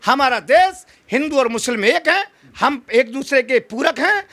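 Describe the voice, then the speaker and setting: High-pitched, combative man. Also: lively intonation, normal speed, bright, forceful tone. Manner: combative, emphatic oratory with rhetorical challenges. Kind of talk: impassioned political interview.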